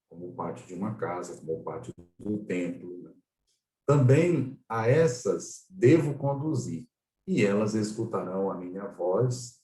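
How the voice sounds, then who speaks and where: Low, mellow Brazilian man teaching, roomy sound. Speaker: catechist leading a Bible study. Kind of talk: explanatory Bible lesson with scripture read aloud. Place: online video-call class. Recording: roomy echo, distant microphone.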